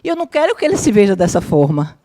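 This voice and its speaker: A woman's voice: mid-range voice, racing. A woman around fifty, a psychologist teaching a spiritist course, tells personal family stories to a live audience, keeps asking whether they follow, and acts out what her relatives said. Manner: lively, keeps checking in with listeners, acts out quoted family members. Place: lecture room with a live audience.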